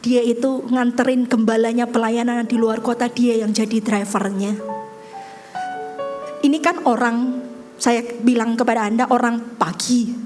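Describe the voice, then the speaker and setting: A woman pastor, telling a story in an animated sermon and often calling out to the congregation. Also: a little high, a little slow, soft background music.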